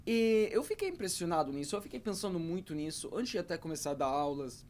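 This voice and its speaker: A man's voice: high voice, expressive, fast talker, a little mellow. A man in his thirties, an English teacher speaking to camera, hesitant, with many fillers and repeated words. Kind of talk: talking to camera about learning English.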